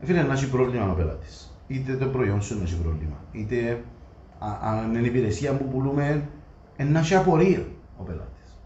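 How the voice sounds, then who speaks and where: A man with a Greek Cypriot accent chats informally and makes his points in everyday colloquial speech. His voice sits at a middling pitch. The recording is echoey and a bit muffled, with faint noise. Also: animated, dark tone. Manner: colloquial, acts out imagined customer dialogue. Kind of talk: animated casual discussion.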